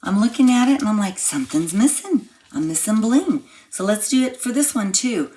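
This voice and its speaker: A woman with a slightly hoarse, froggy voice, chatting step by step through a live card-making class. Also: medium pitch, expressive, normal speed, mellow, slight background noise, low-quality recording. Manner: chatty step-by-step explaining while crafting. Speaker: craft class instructor. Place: home craft room.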